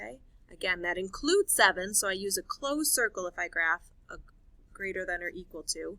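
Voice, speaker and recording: This woman talks at a fairly quick pace. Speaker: math teacher. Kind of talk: recorded lesson. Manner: fast.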